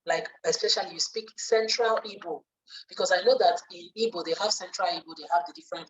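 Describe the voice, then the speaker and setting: A woman's voice: on the low side, slightly rough, rough recording. A woman, a media training facilitator, teaches trainees in an earnest way and repeats her points for emphasis. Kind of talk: spoken lesson to trainees.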